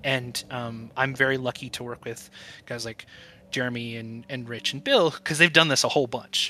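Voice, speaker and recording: The speech proceeds at a moderate speed, with music behind it. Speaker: game lore writer. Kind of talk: casual chat.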